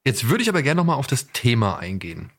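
Halting male podcast host in discussion. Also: mid-range voice, big pitch swings, fairly bright tone. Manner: hesitant, searching for words with repeats.

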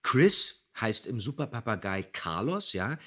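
A man's voice: lowish voice, big pitch swings, unhurried, fairly bright tone. A middle-aged German man co-hosting a podcast, explaining things casually, in detail and with emphasis. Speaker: podcast co-host.

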